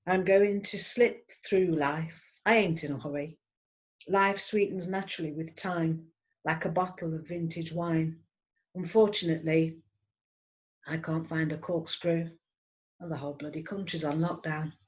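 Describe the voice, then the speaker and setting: A woman in her fifties reads her own poem with a wry, punning delivery. Her voice sits a little low, and she reads at an even, measured pace. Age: 50s. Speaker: poet. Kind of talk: poetry reading. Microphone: online video call.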